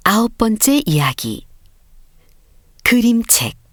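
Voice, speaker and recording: A woman reading a storybook as an audiobook narrator, with expressive, clearly paced scripted delivery. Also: on the high side, slow pace, no room sound, studio quality.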